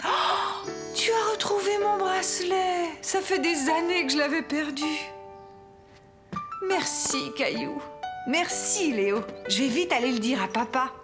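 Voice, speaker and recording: A woman voicing a caring, patient but firm mother in a French children's cartoon, expressive and clearly articulated. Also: very high voice, a little slow, music in the background. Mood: delighted.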